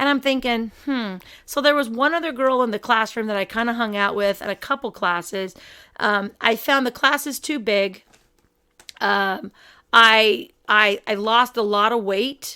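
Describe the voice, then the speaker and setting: A woman with a Midwestern US accent speaks at a fairly slow pace in a fairly high pitch, with ordinary pitch variation and a bright, sharp tone. The recording is very clean, with a silent background. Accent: US Midwest. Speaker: podcast host, small business accountant. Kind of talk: casual chat. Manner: energetic.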